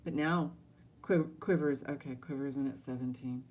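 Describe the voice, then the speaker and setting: A woman's voice: very deep voice, moderate pace, a little mellow, a little hiss or hum. A woman hosting a casual live-stream jewelry auction, chatting directly to viewers and thinking aloud as she goes. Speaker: online jewelry auction host.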